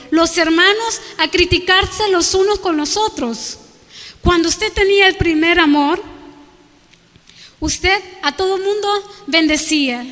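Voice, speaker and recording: A woman's voice: very high voice, fairly bright tone. A woman guest preacher delivering a fervent evangelical sermon, asking her congregation rhetorical questions and calling them brothers and sisters. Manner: addresses listeners as brothers and sisters. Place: church. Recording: long reverb of a church hall.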